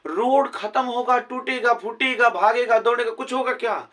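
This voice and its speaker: A man teaching a grammar lesson with a Hindi accent, his voice sitting fairly high. He keeps asking rhetorical questions to check that his students follow. The mic is set a little way back, so he sounds distant. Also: normal speed, a bit bright. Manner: asks many rhetorical questions to check understanding. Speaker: English teacher.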